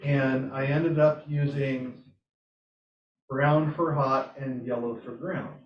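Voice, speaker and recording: A man's voice: mid-range voice, steady tone, slow pace, noisy background. A man giving an informal presentation at a club meetup, telling anecdotes and acting out his own reactions. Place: meeting room at a hybrid club meetup. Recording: echoey room, distant mic, muffled sound.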